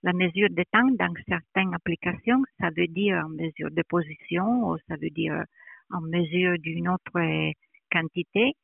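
A woman who is not a native French speaker, explaining in an interview with a foreign accent in French, haltingly searching for words. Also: fairly low pitch, creaky, no room sound, phone-quality sound. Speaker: interviewed metrology department director.

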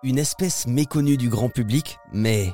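A man's voice: mid-range voice, a little slow, dark tone, faint music behind. A man hosting on radio, delivering scripted narration in the manner of a nature documentary. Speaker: radio host.

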